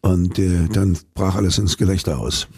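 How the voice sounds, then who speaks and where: Brief: older male actor, deep gravelly timbre, loose anecdotal delivery with restarts, dry close sound. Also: normal speed, a little mellow, dry recording. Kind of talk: interview answers.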